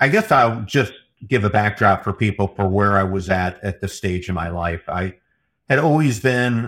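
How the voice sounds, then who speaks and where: Here a man has a plain, everyday voice, fairly low in pitch, at a moderate pace. The recording is very clean, with a silent background. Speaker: author, speaker, former executive and Navy veteran. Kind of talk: interview conversation. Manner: articulate, fluent.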